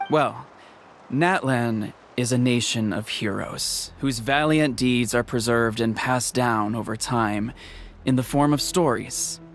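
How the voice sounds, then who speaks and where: An actor playing a calm, dignified, protective tribal chief in a video game, speaking in a measured, formal way. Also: male voice, medium pitch, slight background noise. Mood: solemn, explanatory.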